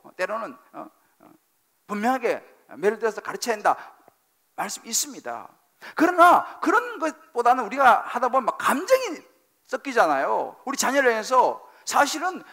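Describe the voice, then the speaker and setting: A middle-aged male senior pastor giving a sermon in a church sanctuary, preaching with animated emphasis, repeating phrases and putting questions to the congregation. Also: sits high.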